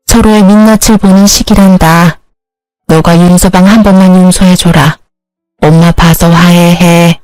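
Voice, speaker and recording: A woman voicing a gentle, apologetic older mother who speaks slowly and soothingly. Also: fairly low pitch, steady tone, clear, resonant tone, dry recording, soft background music, lightly acted, rough recording. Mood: consoling. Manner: soft, slow and soothing.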